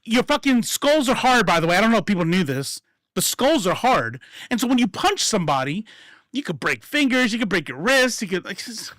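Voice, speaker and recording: A man telling stories in casual chat, profane and animated, acting out what people said. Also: high voice, fairly quick, no echo, studio quality. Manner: profane, animated, acts out quotes.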